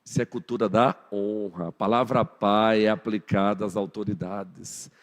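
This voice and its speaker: A man's voice: fairly low pitch, steady tone, normal speed. A man with a Brazilian Portuguese accent giving a Sunday morning sermon, playfully teasing his congregation. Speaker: pastor. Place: church sanctuary. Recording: long church hall reverb.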